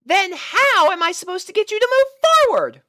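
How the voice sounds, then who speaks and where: A man voicing a perky, bossy female unicorn princess in a story, chirpy and pushy in falsetto. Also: sing-song, normal speed, pushed and bright, heavily acted. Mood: bossy, eager.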